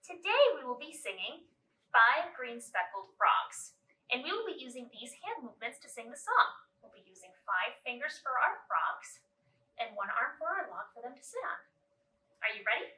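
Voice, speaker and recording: Children's storytime reader, female: animated, expressive, bright, roomy distant-mic sound. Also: high-pitched. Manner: expressive, deliberate, addressing young children. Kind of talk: children's storybook read-aloud.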